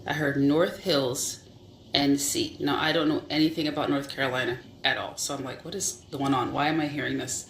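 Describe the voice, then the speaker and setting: A speaker with a Christian testimony talks haltingly, searching for words and stumbling over repeats. The voice is mid-pitched and sounds in a roomy, echoey space over a faint hum. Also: fairly even intonation, fairly bright tone. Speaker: Christian sharing a vision. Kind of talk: spiritual testimony to camera.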